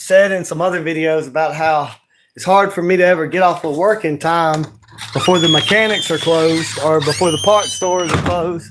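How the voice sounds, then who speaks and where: In a Southern US accent, a man with a high pitch speaks at a moderate pace with fairly even intonation. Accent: Southern US (Georgia). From US South, Georgia. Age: 30s. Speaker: livestreamer, manual laborer. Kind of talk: casual livestream storytelling. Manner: casual, halting with self-corrections.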